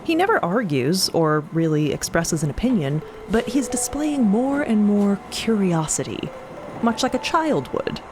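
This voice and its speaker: A woman's voice: medium pitch, sing-song, measured pace, noisy background. A woman narrating scripted audio fiction in a dramatic storytelling style.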